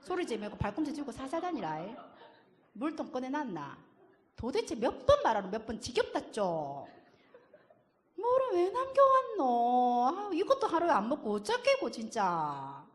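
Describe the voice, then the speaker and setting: A woman's voice: sits high, wildly swooping pitch. A woman voicing a nagging father who scolds his young son nonstop in Gyeongsang dialect. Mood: scolding. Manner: rapid scolding, nonstop orders.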